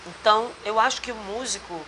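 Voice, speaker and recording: Bright high-voiced Potiguar man. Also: a little fast, a little hiss or hum, rough recording. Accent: Potiguar Brazilian Portuguese. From Rio Grande do Norte, Brazil. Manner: earnest, rambling, many restarts. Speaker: singer and actor guest. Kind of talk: casual interview chat. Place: bar.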